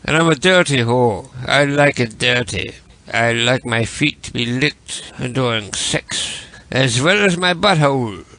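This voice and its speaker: A man's voice: mid-range voice, expressive, measured pace, bright, forceful tone. A drunk man hosting a late-night call-in show, rambling, giggling and crude. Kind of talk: casual late-night chat.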